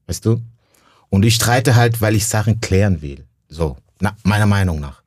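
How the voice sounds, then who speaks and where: A young adult man from Burundi, a stand-up comedian, talking casually and emotionally as a podcast guest, slangy and full of halting restarts. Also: fairly low pitch, expressive, a little mellow, slightly rough, dry recording, studio quality. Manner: slangy, says "bro" often, halting restarts.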